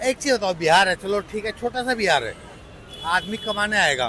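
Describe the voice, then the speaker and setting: A man with a high pitch raises and projects his voice, his intonation lively. Crowd noise carries in the background. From Delhi. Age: 40s. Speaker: passer-by interviewed on the street. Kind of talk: street interview.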